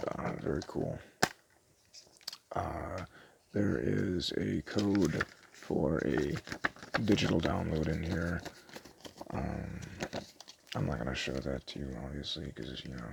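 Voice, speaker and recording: A man doing a casual, improvised ASMR shopkeeper roleplay, soft-spoken and hesitant, rambling in a self-deprecating way. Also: low-pitched, lively intonation, takes it slowly, gravelly, pauses often, noisy background. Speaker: ASMR roleplayer playing a small DVD shop owner.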